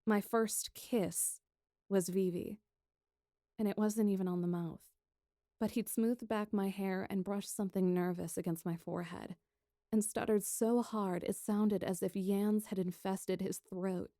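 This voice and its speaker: Woman as young princess engineer, spirited, wry, expressive first-person storytelling, close dry sound. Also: mid-range voice, measured pace, no room sound, close to an everyday voice. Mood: playful. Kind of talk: first-person scripted narration, fan audio fiction.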